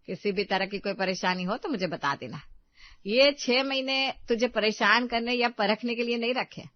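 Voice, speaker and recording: A woman's voice: fairly high pitch, normal speed, no room sound, natural voice. A woman voicing a strict but sensible middle-aged mother-in-law who speaks firmly. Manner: firm, no-nonsense. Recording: dull, dry sound.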